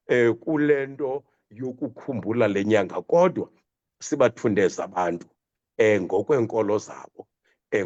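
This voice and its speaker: A man with a Xhosa accent giving earnest commentary as a radio guest, halting often as he searches for words. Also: medium pitch, a little mellow. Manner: halting, with many repeated hesitations. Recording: dull, lo-fi line.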